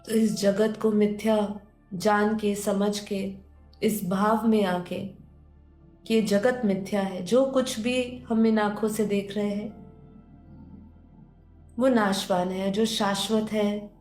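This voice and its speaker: A woman guides a meditation in a soft-toned, mellow voice, speaking very slowly and repeating phrases as she gently instructs. Her delivery stays quite even in pitch. The voice carries a roomy echo. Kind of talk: guided meditation, spiritual teaching. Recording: roomy echo under background music. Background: music.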